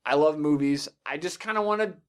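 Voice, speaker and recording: A man's voice: a little high, a little fast. A young man hosting a casual podcast discussion, swearing freely and giving blunt opinions. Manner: profane, opinionated. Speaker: podcast host.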